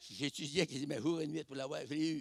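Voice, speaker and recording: A man with a Quebec accent, fairly high pitch with ordinary variation, at a moderate pace. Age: 80s+. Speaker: evangelist preacher. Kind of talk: sermon to a church congregation. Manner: folksy, humorous.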